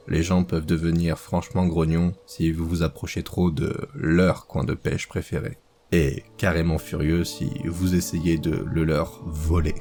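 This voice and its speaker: A man reading a horror story aloud as scripted narration, slow and measured. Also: low voice, gravelly, darkish tone.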